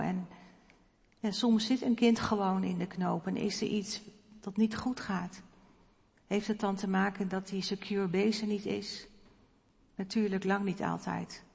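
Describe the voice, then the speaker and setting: Gravelly-voiced woman preaching in a church. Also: mid-range voice, darkish tone. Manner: reflective and personal, with hesitant fillers. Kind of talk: sermon. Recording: long church reverb.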